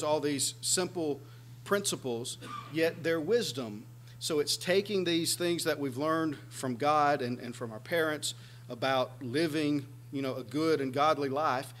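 Earnest preacher man, slightly high voice. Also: a bit bright. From United States. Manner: earnest, gestures widely while preaching. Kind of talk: sermon reading and explaining scripture. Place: small church room with curtains. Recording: faint background hum.

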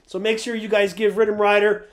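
A man's voice: sits high, level tone, moderate pace. A man in his forties with a runny nose, chatting casually to viewers as he explores an empty abandoned house on a handheld camera. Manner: chatty, keeps addressing viewers as guys. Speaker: urban explorer vlogger. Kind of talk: casual walkthrough narration.

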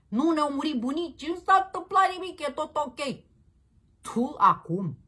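A husky woman with a fairly high voice swings wildly up and down as she rants through political commentary. She is combative and crude, mocks her targets and keeps throwing slang at her listeners. She hosts her own show. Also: fairly bright tone. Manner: combative, crude and mocking, peppered with slang address.

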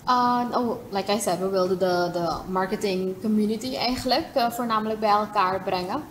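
A woman's voice: mid-range voice, fairly quick, slight background noise, low-quality recording. A young adult woman with a Surinamese accent giving casual interview answers as an event organiser, slipping English words in. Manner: informal, mixes English words into speech. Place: TV studio, seated at desk.

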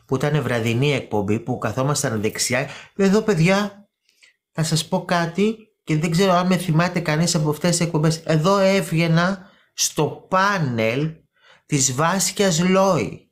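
A woman's voice: low-pitched, animated. A woman hosting a casual live stream, chatting and gossiping with her viewers, calling them by name and repeating words for emphasis.

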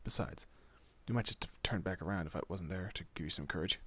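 A man plays a male monster detective in a horror audio roleplay. His voice is low and husky with a bright, forward edge. He talks casually, needling his human partner while looking out for them. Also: fast talker, no room sound, exaggerated voice. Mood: teasing, bickering. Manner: casual, teasing, muttered asides. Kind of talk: horror roleplay audio drama, addressing the listener.

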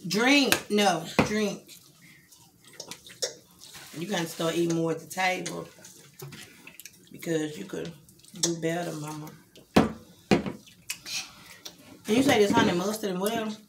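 Young mom w/ chatting over dinner, noisy home camera audio. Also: female voice, lowish voice, steady tone, normal speed, creaky, long pauses. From Louisiana. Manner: chatty, coaxing a toddler to eat. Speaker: family vlogger. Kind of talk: casual mealtime vlog chat. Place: home dining table. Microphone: camera set back from the table.

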